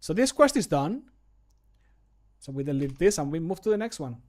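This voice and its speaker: A man's voice: on the high side, very animated, moderate pace, a little mellow. A man in his thirties streaming from a home room, chatting casually and jokily into a close microphone. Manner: jokey, self-deprecating, playful sound words when working. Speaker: streamer and hobby voice actor. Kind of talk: casual livestream chat. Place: small home room, indoors. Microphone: close desk microphone.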